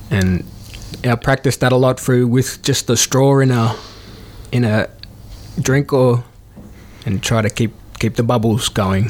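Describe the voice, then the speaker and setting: A man with an Australian accent, long and frequent pauses, very even loudness, and fairly even intonation. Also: medium pitch for a man, fairly slow pace. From Melbourne, Australia. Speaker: didgeridoo player. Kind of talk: interview.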